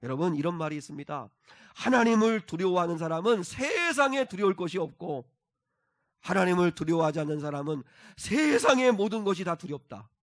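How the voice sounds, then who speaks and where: Brief: male pastor, higher-pitched voice, sermon delivery that swings from soft to forceful. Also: sing-song, a little fast. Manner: swings between soft asides and loud emphatic exhortation; leads congregation in reading scripture aloud.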